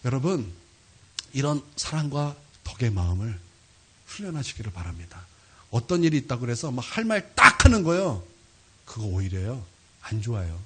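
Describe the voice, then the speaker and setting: A man preaching a sermon as pastor, telling a story with lively, sudden loud peaks. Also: mid-range voice, normal speed, husky. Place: church sanctuary.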